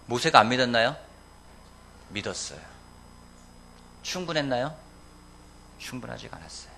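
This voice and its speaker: Questioning man preaching, lively pitch. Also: moderate pace, creaky, a little hiss or hum. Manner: asks the congregation questions and answers them. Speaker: pastor. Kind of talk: sermon. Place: church sanctuary.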